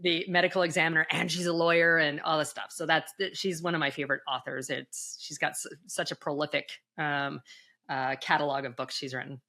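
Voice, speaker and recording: A woman's voice: low voice, little pitch movement, fairly quick, pushed and bright. A middle-aged woman as a podcast guest in casual chat, talking in a chatty way with many fillers.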